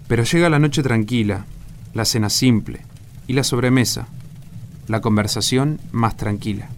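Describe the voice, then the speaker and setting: A man's voice: mid-range voice, normal speed, slight background noise. A man narrating a scripted radio play in a poetic, reflective manner.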